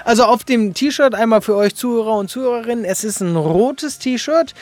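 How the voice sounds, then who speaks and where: A man's voice: extremely high pitch, moderate pace, darkish tone, no room sound. A man hosting a casual podcast interview in a jokey, slangy, informal way. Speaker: podcast host.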